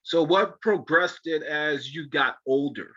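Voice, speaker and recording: A man's voice: on the high side, a little slow, pushed and bright, muffled recording. A man hosting an interview show, talking in an effusive, affectionate and rambling way. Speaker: podcast host. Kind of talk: casual interview chat.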